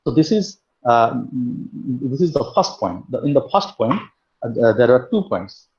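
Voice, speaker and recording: A man's voice: mid-range voice, sing-song, unhurried, a little mellow, muffled recording. A man giving an online literature lecture as a university lecturer, explaining point by point with frequent restarts. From India. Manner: explaining step by step, with many restarts.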